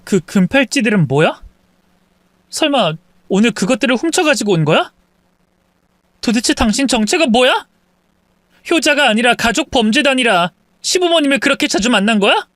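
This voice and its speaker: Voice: mid-range voice, very animated, normal speed, pauses often, a bit bright, no echo, clean studio sound, pitched above the performer's own voice. A reader voicing an angry young wife who accuses her husband's family of theft, in an indignant tone. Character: angry young wife confronting thieving in-laws.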